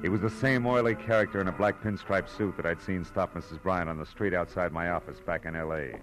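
An actor playing a wry, world-weary private detective in a 1940s radio drama, with a tough, clipped delivery. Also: male voice, low voice, steady tone, a little fast, over music, natural voice, low-quality recording. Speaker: lead actor and narrator.

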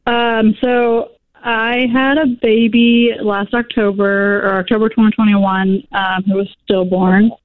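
A young woman calls in, and her voice comes through a narrow, tinny phone line with a dry, close sound. She has an ordinary mid-range pitch and speaks in a casual, hesitant way, often pausing on "um" and "like". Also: level tone, dry recording. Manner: hesitant, with many fillers like "um" and "like". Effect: heard over a phone line. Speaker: caller. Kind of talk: casual call-in chat.

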